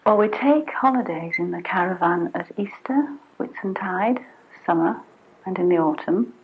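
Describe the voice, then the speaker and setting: A woman's voice: on the low side, moderate pace, slightly rough. A middle-aged woman with a British accent, explaining family life plainly in an interview. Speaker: interviewed mother. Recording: dull, hissy 1970s film soundtrack.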